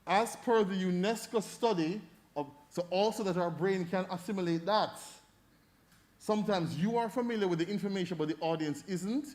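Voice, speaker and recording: A middle-aged Jamaican man giving feedback as a debate judge, animated and fond of demonstrating voices as he coaches. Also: high voice, normal speed. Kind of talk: feedback speech to an audience.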